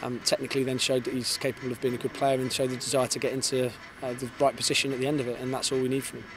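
A man in his thirties talks fast and earnestly into a handheld mic, his pitch held fairly flat as he restarts phrases with repeated words. Outdoor stadium noise sits clearly behind him on the night pitch. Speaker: football head coach. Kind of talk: post-match interview. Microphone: handheld reporter's mic held in front.

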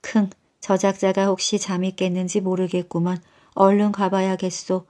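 Woman doing a sly con man, fake sniffle, hushed, smug, mellow storybook voice. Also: medium pitch, flat delivery, moderate pace, natural voice. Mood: sly whisper. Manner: whispering, snorting, smug. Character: sly loafer man faking a nasal voice.

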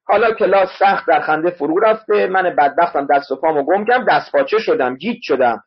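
Man teaching a literature class online, a bit husky, drills words and spellings over a muffled lo-fi mic. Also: on the high side, expressive. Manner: explains word by word, repeats spellings to students. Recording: dull lo-fi online class audio.

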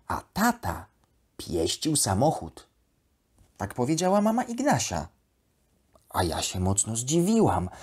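A narrator voicing a naive, chatty, elegant female plush duck reading from her diary in a children's bedtime audiobook, with expressive, wondering, childlike asides. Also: mid-range voice, slightly rough, full character voice. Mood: naive amazement.

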